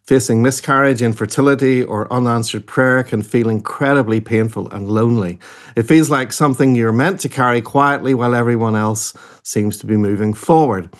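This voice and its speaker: A man hosting a daytime Christian radio show, introducing and interviewing a guest in a gentle, measured way, sometimes repeating words when unsure. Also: medium pitch.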